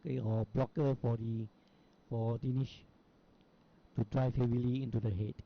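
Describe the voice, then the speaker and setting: A man's voice: medium pitch, little pitch movement, normal speed, gravelly. A male co-commentator at a bowls match who asks questions and replies briefly. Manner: asks questions, short agreeing replies, laughs easily. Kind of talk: live sports commentary. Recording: lo-fi broadcast audio with faint noise.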